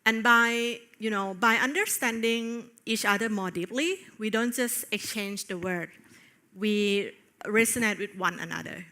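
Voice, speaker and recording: Female conference presenter, bright forward tone, earnest and hesitant with fillers. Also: medium pitch. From Thailand. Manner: earnest, with frequent filler pauses. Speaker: conference speaker. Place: on stage at a tech conference.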